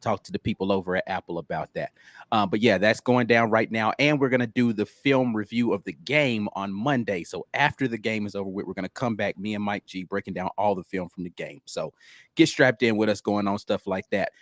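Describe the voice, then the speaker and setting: A man's voice: lowish voice, a little fast, dry recording. A man co-hosting a sports podcast, talking laid-back and loose with plenty of ums and slang. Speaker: podcast co-host, film analyst. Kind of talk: casual sports talk.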